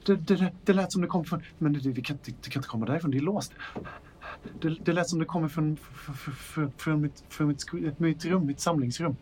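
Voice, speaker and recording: A man's voice: fairly high pitch, a little mellow, a little hiss or hum, natural voice. A man voicing a small, panicky male pug who stammers and repeats words in fear. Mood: frightened.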